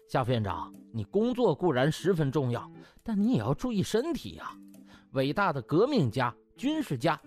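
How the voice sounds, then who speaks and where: Guy doing a cocky young doctor, fake worried and fawning, higher voice swooping all over, music behind. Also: darkish tone. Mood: mock concern. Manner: theatrical, mock-solicitous, wordy. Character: cocky young male doctor mockingly feigning fawning concern.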